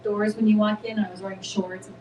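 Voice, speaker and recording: A woman's voice: medium pitch, fast talker. A woman co-hosting a casual spiritual chat, telling a story and acting out what she said to herself. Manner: animated storytelling, acts out her own self-talk. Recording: roomy, distant mic with faint noise.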